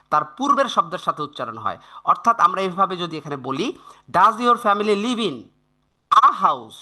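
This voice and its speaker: A man with a Bangladeshi accent teaching English in an online live class over a video call, explaining step by step and slowly repeating English sentences. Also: high-pitched, sharp tone.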